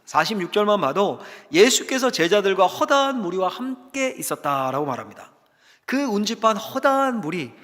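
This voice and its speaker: A man, a senior pastor, preaching a dramatic sermon in a church sanctuary, posing rhetorical questions and swinging from loud cries to hushed emphasis. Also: high voice. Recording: long church-hall reverb.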